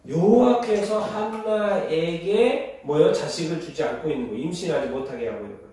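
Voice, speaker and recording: A man leads a Bible study as pastor, with a fairly high voice that keeps turning statements into questions for his listeners. He slows right down when he reads scripture aloud. The sound is distant and washed in the heavy echo of a church sanctuary. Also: mellow, slight background noise. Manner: teaching by quizzing the congregation and repeating answers; reads scripture aloud slowly together with the congregation. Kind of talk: Wednesday Bible study sermon. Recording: very echoey hall, mic far off.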